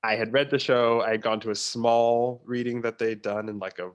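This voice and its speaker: A man's voice: medium pitch, steady tone, moderate pace, smooth, dull audio. A man speaking as an interview guest, casual and anecdotal, dropping little quoted asides into his explanations. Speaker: theatre producer, interview guest.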